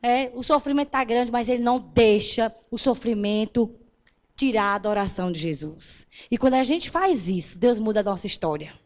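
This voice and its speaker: A woman pastor preaching a sermon, swinging between loud emphatic declarations and soft, intimate lines as she addresses the congregation directly. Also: fairly high pitch, lively intonation, moderate pace.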